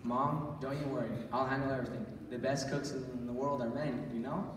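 A man's voice: mid-range voice, steady tone, fairly quick, natural voice. A man playing an eager, wisecracking, boastful boy in an amateur stage radio play. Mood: cocky. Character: eager, cheeky boy Sammy, joking, bossy little brother. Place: church stage before an audience. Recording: echoey church hall, distant, faint noise.

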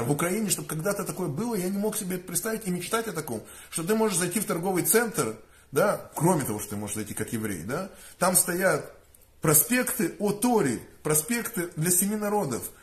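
A man in his thirties, a rabbi, gives an informal lesson into a close phone or webcam mic in a room at home. His voice sits a little above the usual male range. He talks conversationally but with emphasis, often checking in with his listeners through rhetorical questions. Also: fairly high pitch. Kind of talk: informal lecture to camera. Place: room indoors with curtains.

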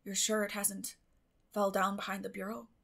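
A woman voicing a shy, mild older farm man who talks quietly and hesitantly in an audiobook. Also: medium pitch, flat delivery, moderate pace, creaky. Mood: forlorn, puzzled.

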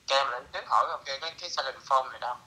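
Bright-voiced middle-aged man telling a story. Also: mid-range voice, very fast, low-quality recording. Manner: lively, mixes in broken English phrases. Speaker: interviewee. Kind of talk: casual storytelling.

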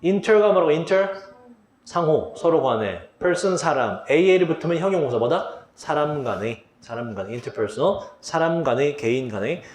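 A male teacher takes students through exam vocabulary in a voice that sits a little high and leaps up and down. He fires questions at the class and answers them himself. The sound carries the echo of a reverberant room. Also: lively intonation, a little slow, darkish tone. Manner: quizzing students, answering his own questions. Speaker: English teacher. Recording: echoey room.

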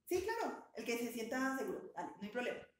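A woman's voice: on the high side, very animated, quick pace, a little hiss or hum. A woman teaching an English lesson. She is patient and encouraging and stretches out words to model their pronunciation. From Colombia. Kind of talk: bilingual language lesson. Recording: echoey room sound.

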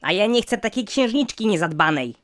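A woman's voice: mid-range voice, expressive, brisk, fairly bright tone, no room sound, natural voice. Snooty fairy-tale prince, played by a woman: picky, fault-finding, swooping intonation. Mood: fussy, disdainful.

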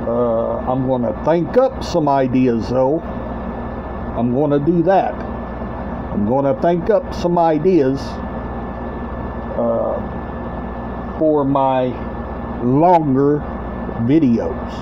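A middle-aged man with a medium-pitched voice hosts a casual, rambling show-and-tell for his collection video channel. He talks to camera haltingly, in short broken phrases, often repeating himself. The setting is a small room at home, and the lo-fi webcam-style audio is dull with clear background noise.

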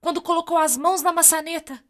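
A woman with a Brazilian accent narrating a radio serial as theatrical storytelling, with deliberate dramatic pauses. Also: very high-pitched, fairly even intonation, fairly bright tone.

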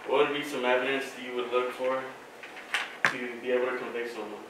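A man runs a classroom mock jury questioning, pausing with fillers between questions. His voice is heard from across an echoey lecture hall. Steady background noise sits under it. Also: mid-range voice. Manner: hesitant, filler-heavy questions. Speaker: student questioning mock jurors. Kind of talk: classroom role-play questioning. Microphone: far camera. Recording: echoey hall from far off, noisy.

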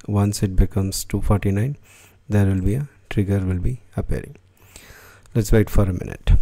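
A man hosting a screen-recorded software tutorial, talking it through unscripted with many fillers and restarts. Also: fairly low pitch. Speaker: tutorial host.

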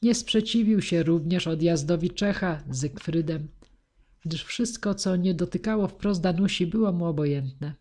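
A woman narrating a classic novel as an audiobook in a measured, even way. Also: on the low side. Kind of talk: scripted narration.

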